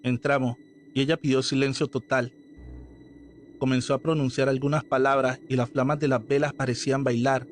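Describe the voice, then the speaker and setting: A man reading a scripted horror story aloud as narrator, in a slow, measured storytelling manner. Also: medium pitch, flat delivery. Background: faint background music.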